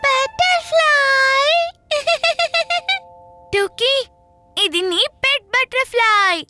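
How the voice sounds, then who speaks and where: A performer voicing an excitable, curious small child in a children's cartoon, with drawn-out exclamations. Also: very high-pitched, over loud music, full character voice. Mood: excited, playful. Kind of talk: animated children's cartoon dialogue.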